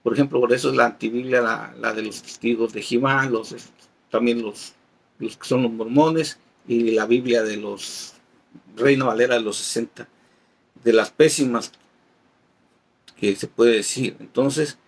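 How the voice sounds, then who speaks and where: A man's voice: medium pitch, fairly even intonation, unhurried, creaky, pauses often, breathy edge. A man teaching a Bible class as a catechist, reading passages aloud and explaining them patiently with everyday examples.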